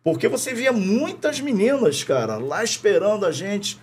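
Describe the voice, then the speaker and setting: A middle-aged man from Rio de Janeiro with a Carioca accent, telling animated anecdotes full of slang, swearing and laughter as a podcast guest. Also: sits high, moderate pace, husky. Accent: Carioca Portuguese. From Rio de Janeiro, Brazil. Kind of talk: casual chat, storytelling. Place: podcast studio.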